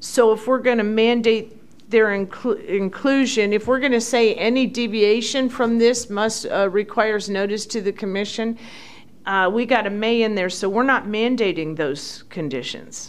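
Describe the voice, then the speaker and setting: The delivery uses a plain, everyday voice at a moderate pace with ordinary pitch variation. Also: woman, fairly high pitch for a woman. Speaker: county commissioner. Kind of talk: committee meeting debate.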